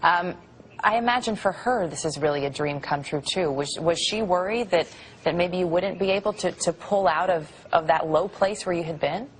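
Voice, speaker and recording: A woman co-hosting a morning TV show, asking brisk, empathetic interview questions. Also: lowish voice, a little hiss or hum.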